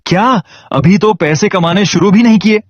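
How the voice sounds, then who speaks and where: A man's voice: fairly high pitch, sing-song, moderate pace, husky, no echo, dull audio. A man voicing a broke young farmer hero who jokes and gets flustered. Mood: jokey, flustered.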